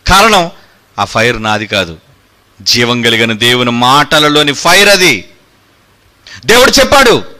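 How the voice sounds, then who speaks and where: A man's voice: medium pitch, very animated, unhurried, long pauses, sharp tone. A man preaching a fiery sermon, combative and mocking, firing rhetorical questions.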